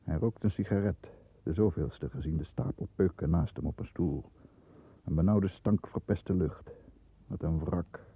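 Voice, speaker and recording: Deep, husky, stern barrister with gravelly edge. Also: male voice, measured pace, dry recording, narrow, tinny audio, exaggerated voice. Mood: uneasy, self-controlled. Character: stern, controlled barrister shielding his wayward brother, narrating events. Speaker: actor playing narrator and lead. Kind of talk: 1960s Dutch radio thriller acting, first-person narration.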